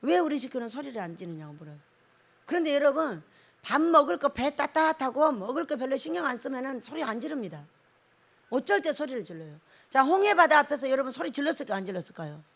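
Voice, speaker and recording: High, lively woman preaching a folksy sermon. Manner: folksy, laughing, acts out prayers in quoted voices. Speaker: pastor, prayer house director.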